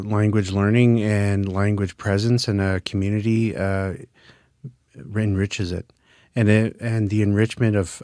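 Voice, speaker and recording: A man in his fifties from Manitoba, Canada, formerly a French immersion teacher, answers radio interview questions earnestly and haltingly, with many filler sounds. His voice is low and darkish, captured in studio quality with no room sound.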